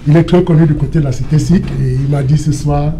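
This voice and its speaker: A man's voice: fairly high pitch, steady tone, fast. Older male panelist, noisy studio. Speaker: panelist, law lecturer. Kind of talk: friendly on-air greetings.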